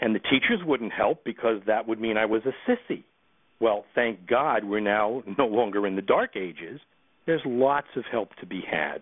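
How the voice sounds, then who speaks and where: This man has a plain, everyday voice at medium pitch. He moves at a moderate pace with ordinary pitch variation. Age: 60s. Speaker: priest and counselor for visually impaired. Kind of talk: teleconference Q&A talk. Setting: phone teleconference.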